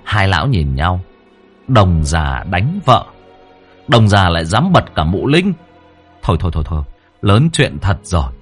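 Deep, husky male horror storyteller. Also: big pitch swings, measured pace, long pauses, soft background music. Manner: dramatic, vivid storytelling.

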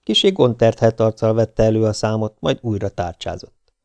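A man reading an audiobook in an even, measured way. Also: fairly low pitch, vocal fry, no room sound. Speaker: audiobook narrator. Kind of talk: audiobook narration.

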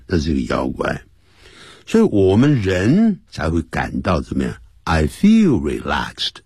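A man teaching English on a radio lesson. He explains in Chinese and repeats the English phrases slowly, in a playful manner. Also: low-pitched, a little mellow, breathy edge, no echo, clean studio sound. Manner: playful, mimics sounds. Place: radio studio.

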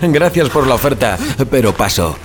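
A man's voice: medium pitch, big pitch swings, moderate pace, natural voice. A man playing a gleefully sadistic undead killer who narrates his murders with theatrical, sardonic menace in a horror audio drama. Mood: menacing glee.

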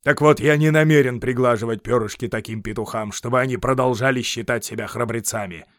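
Brief: Roman general in his fifties, blunt, unbending, scornful; audiobook narrator doing the part. Mid-pitched, dry sound. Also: brisk, a bit bright, no room sound, lightly acted. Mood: stubborn. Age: 50s. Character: blunt stubborn aging Roman general, man. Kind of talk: audiobook character reading.

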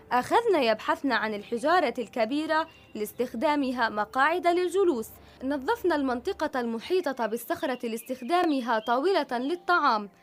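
A woman narrating a children's story in a warm, expressive storytelling voice. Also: high voice.

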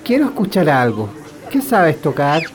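A man's voice: on the high side, big pitch swings, moderate pace, crowd noise. A man playing a kindly fatherly priest. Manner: warm, encouraging, fatherly. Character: kindly middle-aged parish priest. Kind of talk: radio drama acting.

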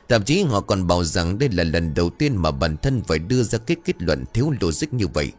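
Male storyteller, low and animated, ghost story narration over faint background music. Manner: voices characters in dialogue, expressive.

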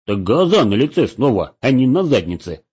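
A man's voice: medium pitch, very animated, normal speed, darkish tone, breathy edge, pitched above the performer's own voice. A man voicing a blunt, wry male adventurer who teases his companion. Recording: dull lo-fi recording.

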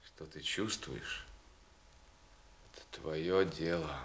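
A man's voice: extremely low pitch, slow pace, a bit bright, a little hiss or hum, heavily acted. An actor playing a restrained, disapproving man in a family audio drama, terse and reproachful. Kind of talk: Soviet audio stage drama acting.

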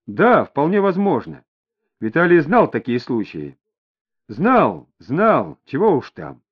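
A man narrating an audiobook in measured storytelling. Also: on the high side, huge pitch swings, husky. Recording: dull lo-fi audio.

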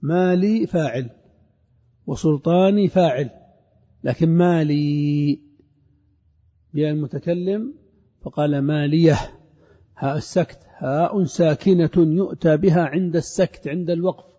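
A man lectures on grammar to a class in a large hall, and his words ring out with a long reverb. His voice sits fairly high for a man but sounds very dark and mellow, with a slightly husky edge. He asks questions and answers them himself, then repeats each example slowly, all on a dull, lo-fi recording. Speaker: grammar teacher.

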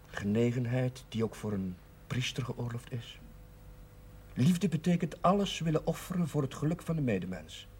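An actor playing an earnest, devout young Catholic curate in a television drama, measured and formal in speech. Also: male voice, medium pitch, darkish tone, slight background noise, natural voice. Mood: earnest, restrained. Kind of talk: 1970s Dutch television drama acting.

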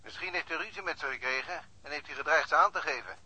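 A man acting a brisk, alert police colleague on the telephone in a radio drama, probing and speculating. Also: fairly high pitch, bright, forceful tone, slightly rough, full character voice, low-quality recording. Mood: inquisitive.

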